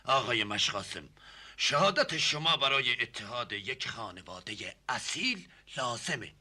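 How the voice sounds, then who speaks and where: A pompous, impatient nobleman playing judge in a TV comedy drama. His sharp, husky voice swings widely as he barks orders. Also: medium pitch, very animated, exaggerated voice. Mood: stern. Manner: formal, impatient, commanding.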